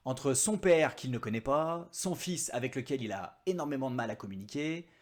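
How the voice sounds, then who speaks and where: A man's voice: medium pitch, animated, moderate pace. A man hosting his own book review vlog, chatty and joking at his own expense. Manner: chatty, self-mocking asides. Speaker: book vlogger.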